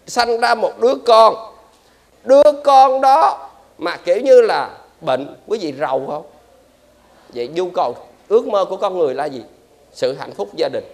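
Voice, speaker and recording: A man, a Buddhist monk giving a lively dharma talk and quizzing his audience. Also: on the high side.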